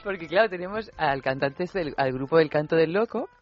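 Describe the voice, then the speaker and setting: A woman's voice: low-pitched, expressive, brisk, soft background music. A woman co-hosting a radio chat, telling jokey stories and laughing often. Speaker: radio co-host. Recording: dull lo-fi radio sound.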